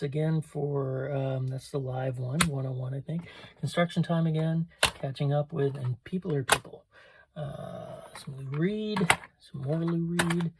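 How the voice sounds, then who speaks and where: A middle-aged man with a mid-pitched voice talks off the cuff, like a shop owner showing his stock. He rambles, stops and corrects himself as he goes. The recording carries some background noise. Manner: rambling, halting, self-interrupting. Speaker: vintage store owner presenting a haul. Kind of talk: casual unscripted show-and-tell chat.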